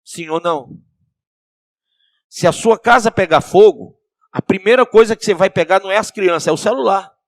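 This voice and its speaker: A male pastor with a Brazilian accent preaching a sermon, asking the congregation questions and swinging between soft and loud. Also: high-pitched, moderate pace, pauses often, dry recording, studio quality. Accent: Brazilian Portuguese.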